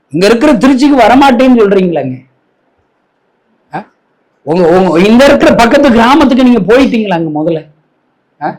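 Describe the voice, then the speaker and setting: A man's voice: sits high, a little mellow, rough recording. A man preaching and leading an altar-call prayer at a home prayer meeting, fervent and repetitive, calling the crowd to repeat after him.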